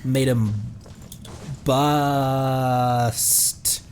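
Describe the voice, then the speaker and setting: A man's voice: medium pitch, level tone, drawn-out words, darkish tone, a little hiss or hum. A man commentating live on a game he plays and reading its text aloud, in a playful, exclaiming manner. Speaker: game streamer. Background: music.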